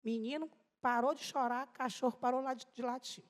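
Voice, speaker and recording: A woman's voice: high voice, steady tone, normal speed. A woman preacher telling an emotional testimony to a congregation, speaking to them directly. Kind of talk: sermon testimony. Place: church hall. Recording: reverberant church hall.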